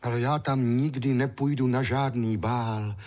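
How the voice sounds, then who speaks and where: A man voicing an impatient, lovesick young soldier who talks excitedly and pleads. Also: medium pitch, voice pushed up, lightly acted. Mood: pleading.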